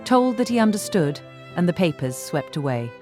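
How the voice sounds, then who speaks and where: A woman reading scripted literary narration as an audiobook narrator in a measured, articulate way. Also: on the low side, very animated. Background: soft instrumental music.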